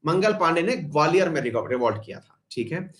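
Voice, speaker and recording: A man with a slightly high, a bit bright voice and lively intonation speaks briskly. It's an online exam-prep history class where he chats, poses questions to students, goes off on tangents, and uses English terms here and there.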